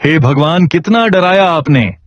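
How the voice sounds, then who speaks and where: A man's voice: fairly high pitch, expressive, unhurried, no room sound, highs cut off, voice pushed up. A man voicing a broke young farmer hero who jokes and gets flustered. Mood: jokey, flustered.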